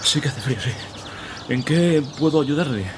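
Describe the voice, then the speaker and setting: A man's voice: a little high, normal speed, background noise, natural voice. An actor playing an obliging city policeman on patrol in a snowy park in a radio drama. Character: chilly, helpful male city policeman on patrol.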